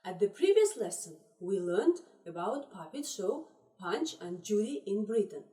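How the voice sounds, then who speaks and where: A woman teaching a children's English lesson, slowly repeating each word in three languages. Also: medium pitch, sing-song, warm tone. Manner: slow, deliberate, repeats words in three languages. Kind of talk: trilingual video lesson for children. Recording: echoey room, voice distant from mic.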